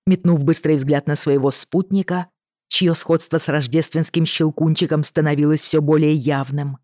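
An audiobook narrator reading a novel in a steady, even storytelling manner. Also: mid-range voice, no room sound, clean studio sound. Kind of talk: scripted narration.

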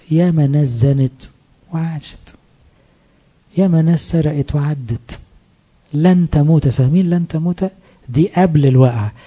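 A man with an Egyptian accent preaching a colloquial sermon, lively, often asking his listeners questions and acting out the voices he quotes. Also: fairly high pitch, slightly rough. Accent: Egyptian Arabic. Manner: animated, asks the audience questions, acts out quoted voices. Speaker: priest.

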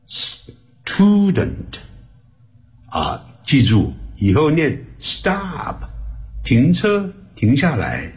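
Slow, lively male English teacher. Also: mid-range voice. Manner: drawn-out, repeating words for practice. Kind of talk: slow beginner language lesson. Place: radio studio.

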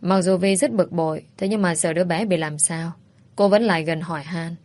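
A woman reading a drama story aloud in a steady, even narration. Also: lowish voice, fairly quick.

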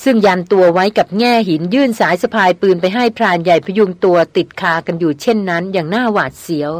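A woman narrating a novel in a steady storytelling voice, voicing the characters' lines plainly. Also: lowish voice, quick pace, no echo. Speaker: audiobook narrator.

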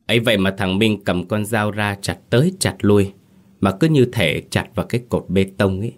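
A man's voice: lowish voice, normal speed. A man narrating a ghost story in the first person, colloquial and wry.

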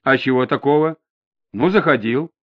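A man's voice: medium pitch, moderate pace, natural voice. A man voicing a hostile young male thug under police interrogation, who talks rudely in street slang, on a dull lo-fi recording. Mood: truculent. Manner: rude, snarling street slang. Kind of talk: audiobook character voice. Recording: dull lo-fi audio.

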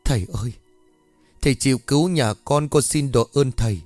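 A poor village wife, voiced by a male storyteller, begs and frets in an earnest, tearful way. Her plea stays close to the narrator's own middle voice. Soft music runs faintly behind. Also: mid-range voice, brisk, no room sound, natural voice. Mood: pleading. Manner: pleading, tearful.

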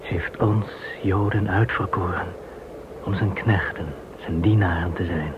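A man in a radio play acting a devout Jewish man facing deportation, telling things in a solemn, measured way. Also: low voice, fairly even intonation. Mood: grave, devout. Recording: muffled phone-like band, clear hiss.

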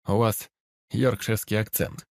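A man's voice: on the low side, unhurried, vocal fry, dry recording, studio quality. Man reading as a polite captured young airman. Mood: friendly. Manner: calm, cooperative, matter-of-fact.

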